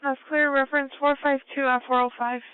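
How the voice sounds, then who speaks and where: A woman's voice: sits high, flat delivery, a little fast, no echo. A woman police dispatcher heard over a radio transmission, talking in terse, clipped call-sign phrasing. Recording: tinny narrow-band scanner radio.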